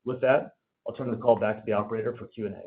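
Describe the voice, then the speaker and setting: A man giving a formal, measured, scripted financial presentation as a company executive on a conference call. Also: on the low side, fairly even intonation, a little hiss or hum. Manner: formal, measured delivery of prepared remarks. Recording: narrow tinny phone-line sound.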